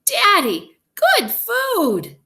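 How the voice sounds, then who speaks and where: A woman voicing a cheeky, loud little girl in a children's story, with a whiny, dramatic way of talking. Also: extremely high pitch, huge pitch swings, very slow, voice pushed up, exaggerated voice. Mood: excited.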